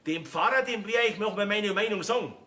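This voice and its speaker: An actor with a Bavarian accent playing a bossy, self-righteous middle-aged farmer father who shouts orders, on a theater stage. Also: high-pitched, brisk. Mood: blustering. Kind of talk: folk theater comedy acting. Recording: echoey stage recording.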